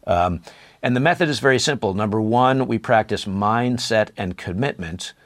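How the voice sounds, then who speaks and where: A man's voice: lowish voice, lively intonation, moderate pace, no room sound, studio quality. A man speaking as a podcast guest and breathwork instructor, effusive and inspirational in a casual interview.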